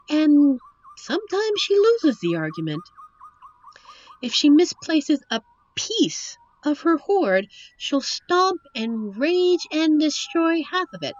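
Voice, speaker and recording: A woman playing a captive young princess in a roleplay audio drama, witty and wistful, with genteel, formal storybook phrasing and thoughtful pauses. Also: high-pitched, dry recording, muffled recording, heavily acted. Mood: troubled, fond. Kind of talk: roleplay audio drama, one side of a dialogue.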